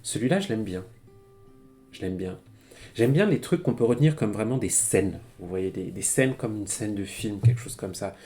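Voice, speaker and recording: A man's voice: lowish voice, animated, moderate pace, dark tone, soft background music. A man giving a casual, chatty live-streamed language lesson, with many fillers and frequent laughs as he explains. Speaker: Japanese teacher. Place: home streaming setup.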